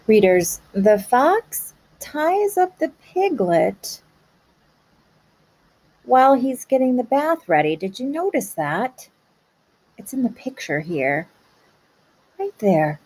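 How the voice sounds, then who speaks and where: A woman teacher pausing a read-aloud to ask young children patient questions about the story. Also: a little high, big pitch swings, darkish tone, breathy edge. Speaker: kindergarten teacher.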